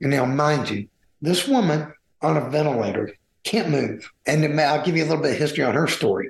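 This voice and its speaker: Vocal fry in a man's medium-pitched voice at a fairly quick pace. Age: 60s. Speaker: author and attorney. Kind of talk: interview.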